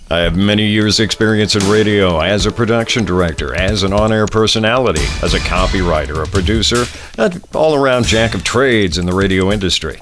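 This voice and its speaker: A middle-aged American man delivering scripted promotional narration in a polished announcer style, pitching himself as a voiceover and radio professional. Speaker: voiceover artist and radio production director. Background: music bed under the voice.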